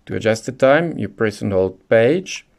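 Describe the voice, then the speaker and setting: A man's voice: on the low side, animated, normal speed, gravelly, darkish tone. A man presenting a hands-on product tutorial, explaining things methodically, step by step. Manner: methodical, instructional. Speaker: presenter of a radio how-to guide.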